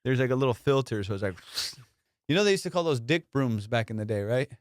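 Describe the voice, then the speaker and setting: A man hosts a casual comedy podcast with a clear, smooth voice of medium pitch. He talks in loose slang with plenty of swearing and teasing. The sound is close and dry. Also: lively intonation, a little fast, no room sound. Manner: slangy, profane, teasing banter.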